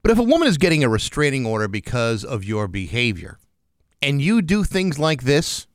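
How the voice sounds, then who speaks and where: A man's voice: mid-range voice, sing-song, moderate pace, no room sound. An American man hosting a radio show in a casual, sardonic conversational style, close on a studio microphone.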